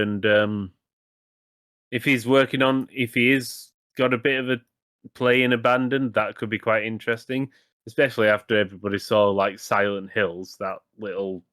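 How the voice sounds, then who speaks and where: A man's voice: mid-range voice, a bit bright, no echo, studio quality. A man co-hosting a gaming podcast, talking casually in rambling, self-correcting sentences and swearing now and then. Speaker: podcast co-host.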